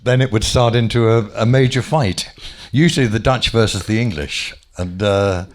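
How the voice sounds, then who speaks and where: Deep-voiced older man, chuckling recollections. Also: normal speed. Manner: chuckling, many hesitations and restarts. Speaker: former offshore radio DJ, guest. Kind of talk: casual reminiscing interview.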